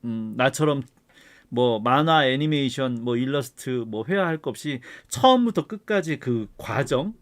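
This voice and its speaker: Casting: middle-aged male art professor, lively swooping pitch, fired-up lecturing that sinks to calm remarks. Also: normal speed. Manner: heated ranting that drops to soft asides. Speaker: art professor and channel host. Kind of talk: casual lecture to camera.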